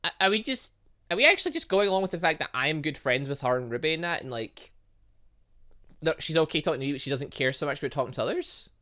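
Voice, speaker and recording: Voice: medium pitch, animated, quick pace, bright, forceful tone. A chatty gaming host giving rambling let's play commentary, thinking aloud while reading a visual novel and reacting to it.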